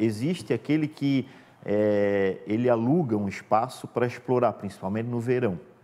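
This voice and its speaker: A man's dark, mellow tone, ordinary pitch variation and fairly slow delivery. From Blumenau, Santa Catarina, southern Brazil; Santa Catarina, Brazil. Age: 40s. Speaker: local district administrator; interviewee. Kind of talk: interview. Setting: legislative chamber used as studio. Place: meeting room.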